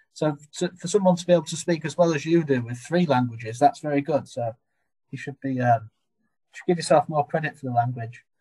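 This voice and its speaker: Dry and close with no echo, a man's fairly high, somewhat breathy voice in an English accent has a dark, mellow tone, ordinary pitch variation, a fairly quick pace and big swings in loudness. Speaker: wildlife channel host. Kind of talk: interview.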